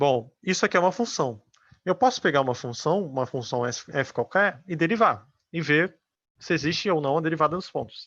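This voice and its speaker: Over a quiet background, a man with an unremarkable speaking voice talks at a moderate pace, his fairly high pitch moving with lively intonation. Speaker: math lecturer. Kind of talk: lecture.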